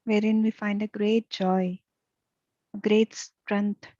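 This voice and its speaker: Woman, meditation teacher, very slow pace, mellow tone, soft and gentle, long pauses, slightly muffled dry recording. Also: mid-range voice, level tone, no room sound. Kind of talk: guided meditation.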